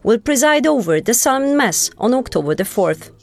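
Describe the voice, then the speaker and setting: A woman's voice: on the high side, sing-song, moderate pace, creaky. A woman reading a scripted television news report as a correspondent.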